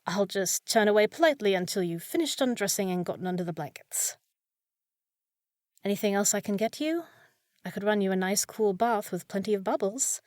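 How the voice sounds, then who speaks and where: A woman's voice: medium pitch, animated, a little fast, a little mellow, no echo, studio quality, close to an everyday voice. A woman playing a short, fussy young village housekeeper in a fantasy audio roleplay, proper and easily flustered, scolding yet caring. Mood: shy, tender. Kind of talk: scripted fantasy audio roleplay, spoken to listener.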